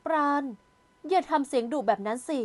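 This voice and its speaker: A poised young woman who soothes and coaxes with gentle words, as voiced by a woman reader. Her voice is high and smooth. She is a figure from a spoken romance novel. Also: lively intonation, brisk. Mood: soothing.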